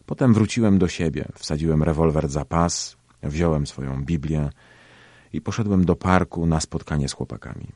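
A man reading a first-person story aloud in a steady, measured way. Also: very deep voice, dry recording. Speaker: audiobook narrator.

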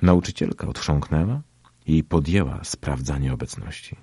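A man with an extremely deep, husky voice narrates a first-person audiobook. His delivery is steady and measured. The sound is dry, close to the microphone. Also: dry recording.

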